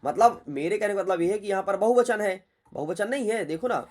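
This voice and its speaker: A man's voice: high voice, brisk, a little mellow. Chatty man teaching exam answers. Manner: chatty, scolding, repeats points. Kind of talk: exam paper walkthrough lesson.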